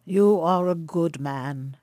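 A woman voicing a grand, kindly elder male stranger who speaks slowly and solemnly. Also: low-pitched, dark tone, dry recording, studio quality.

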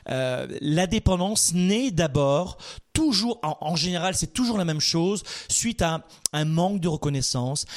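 Emphatic man with swooping, lively intonation. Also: a little high. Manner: emphatic, exhorting, rhetorical questions. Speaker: host of a motivational coaching call-in show. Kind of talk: motivational talk, direct address to listeners.

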